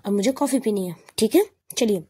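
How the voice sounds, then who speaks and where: Brief: woman voicing protective young woman, gently scolding, husky and mellow. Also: medium pitch, a little fast. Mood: fussy. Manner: fussy, protective, breezy.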